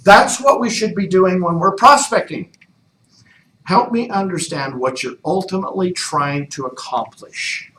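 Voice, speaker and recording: A man's voice: sits high, a little slow, pushed and bright. A man leading a real estate training session, coaching the group with repeated questions. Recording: echoey room, mic far off.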